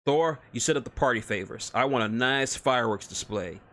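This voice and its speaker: A man's voice: medium pitch, brisk, fairly bright tone, close to an everyday voice. A man voicing a cocky, wisecracking male crew leader with a smug, teasing manner.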